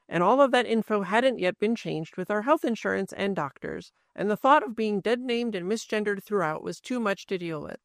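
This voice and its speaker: A woman hosting a podcast, speaking earnestly in a steady, scripted personal monologue. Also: medium pitch, dry recording, studio quality. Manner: earnest, steady, with show plugs. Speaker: podcast host.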